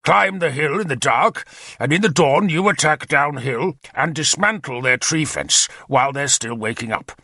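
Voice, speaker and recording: A man voicing a confident, energetic male war leader who lays out battle plans decisively. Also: fairly high pitch, moderate pace, no room sound, voice pushed up. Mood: commanding. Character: bold confident male warlord commander.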